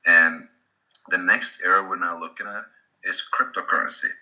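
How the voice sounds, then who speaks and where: Bright-toned, low-voiced Swedish man presenting. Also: steady tone, low-quality recording. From Sweden. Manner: halting, restarts and fillers. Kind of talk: casual slide presentation.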